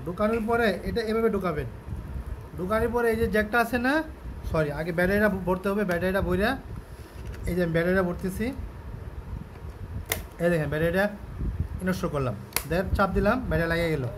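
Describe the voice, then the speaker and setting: A man with a Bangladeshi accent giving a casual product demonstration and sales pitch, explaining step by step and often repeating himself. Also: fast talker, long pauses, slight background noise. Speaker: shop seller presenting a product on his channel.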